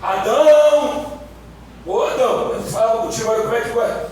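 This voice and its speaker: A preacher voicing God, coaxing, echoey hall. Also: male voice, sits high, little pitch movement, racing, distant mic, a little hiss or hum, lightly acted. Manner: tender, coaxing, repeated questions. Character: God calling gently to a hiding man. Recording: echoey church from afar.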